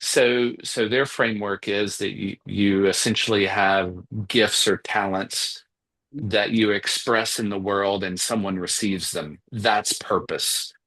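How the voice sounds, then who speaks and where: Low-voiced man hosting a podcast. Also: steady tone, takes it slowly, fairly bright tone. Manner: affirming, repeats words as he thinks. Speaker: podcast host. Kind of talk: reflective interview conversation.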